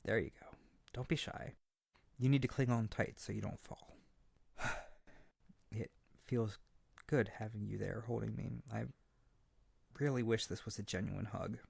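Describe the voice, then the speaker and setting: A man playing an earnest, lovesick young harpy bird-boy in a roleplay audio drama, gentle and insecure, speaking tenderly with hesitant stammers. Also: lowish voice, fairly even intonation, unhurried, creaky, pauses often, slightly rough, no echo, heavily acted. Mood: dejected, awkward. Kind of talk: roleplay audio drama spoken intimately to the listener.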